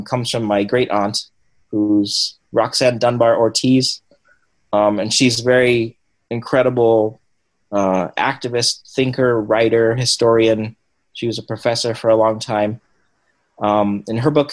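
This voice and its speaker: A young man talks through his answers in an interview, pausing often with ums and starting sentences over. His voice sits at an ordinary middle pitch, and his delivery is reflective rather than polished. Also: low-quality recording. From Washington State and Cambodia. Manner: thoughtful, many ums and restarts. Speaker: guest. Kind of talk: conversational interview.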